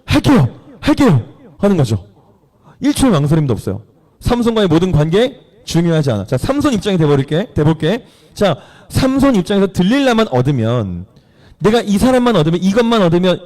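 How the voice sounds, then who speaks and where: A man's voice: high voice, big pitch swings, quick pace, a little mellow. A man preaching a sermon in church, retelling a story with playful questions to the congregation and acted-out voices. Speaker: pastor.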